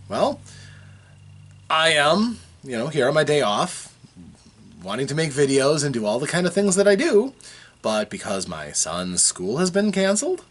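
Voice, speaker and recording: Hesitant man, lively pitch, recovering from a cold. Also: husky. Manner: rambling, hesitant, with frequent fillers and restarts. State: recovering from a cold, slightly rough voice. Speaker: vlogger. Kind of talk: casual chat to camera. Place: home basement.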